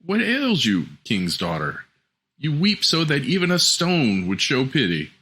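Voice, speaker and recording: A man's voice: medium pitch, huge pitch swings, a little slow, pushed and bright, slightly rough, pitched above the performer's own voice, exaggerated voice. A man voicing a small, insistent talking frog from a fairy tale, with imploring, sing-song calls. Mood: curious, sympathetic.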